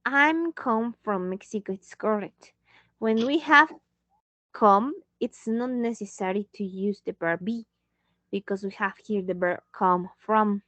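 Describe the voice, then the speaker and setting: Woman teacher, patient, slow, dry muffled sound. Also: mid-range voice, a bit bright, no room sound. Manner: slow, patient, switching into Spanish to explain. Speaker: English teacher. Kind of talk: online English lesson.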